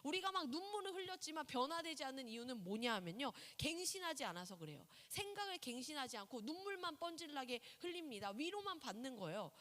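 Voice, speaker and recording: A woman's voice: high voice, fairly bright tone. A woman pastor giving a sermon in a conversational style, asking the listeners questions. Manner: conversational preaching with rhetorical questions; acts out quoted voices. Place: church sanctuary. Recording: long hall reverb in a church.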